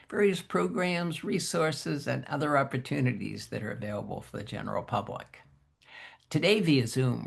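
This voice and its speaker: A man hosting an interview program who opens with a scripted introduction and asks questions in a formal, courteous and deliberate way. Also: medium pitch, vocal fry, slightly rough. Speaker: interview host.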